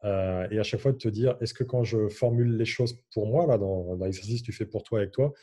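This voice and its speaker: A man's voice: fairly low pitch, brisk, mellow, breathy edge. A man leading an online coaching workshop over a video call, in an encouraging, instructive way.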